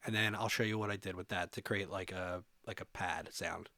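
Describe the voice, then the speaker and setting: A man giving a casual software walkthrough as a music production tutorial presenter, thinking aloud informally as he demonstrates. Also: low voice, steady tone, brisk.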